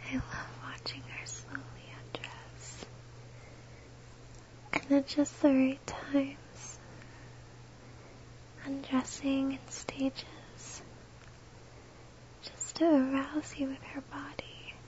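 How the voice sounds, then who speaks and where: Woman, intimate erotic whisper, slow and steady, high and level delivery. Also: muffled recording. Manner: slow, breathy, close whisper.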